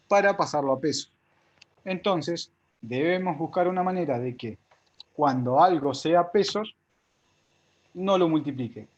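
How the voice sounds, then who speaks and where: A man teaching a live spreadsheet class step by step, with an Argentine Spanish accent, often checking whether his students follow. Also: a little high.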